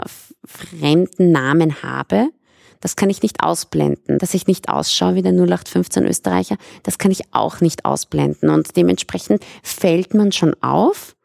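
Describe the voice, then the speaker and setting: A woman's voice: fairly low pitch, normal speed, gravelly, a little mellow, no echo, clean studio sound. A young woman from Iran, a guest in a conversational interview, explaining at length with restarts.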